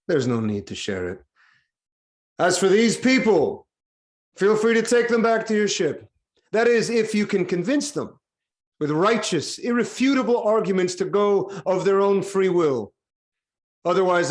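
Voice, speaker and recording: An actor playing a proud, commanding king in a Greek tragedy reading, speaking with stern, declamatory authority. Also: sits high. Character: proud, commanding king defending suppliants of his city. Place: online video-call reading.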